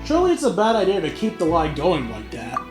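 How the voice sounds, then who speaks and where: A male gaming host with a slightly high voice gives casual let's-play commentary. He reads game dialogue aloud, and music plays clearly behind him. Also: wildly swooping pitch, fast.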